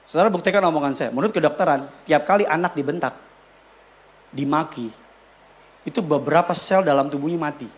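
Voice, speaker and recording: A male pastor preaching a sermon in a church, repeating his points with emphasis and swinging between loud punches and quiet asides. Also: fairly high pitch, brisk, long pauses. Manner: emphatic, repeats key lines for the congregation.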